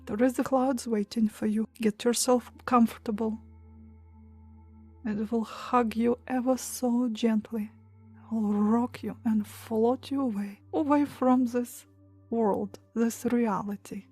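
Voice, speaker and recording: A woman leading a guided meditation in a soft, breathy, hushed and soothing voice, pausing between short phrases. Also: on the high side, steady tone, faint music behind. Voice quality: soft, breathy, near-whisper at times. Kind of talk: guided meditation, hypnotic relaxation countdown.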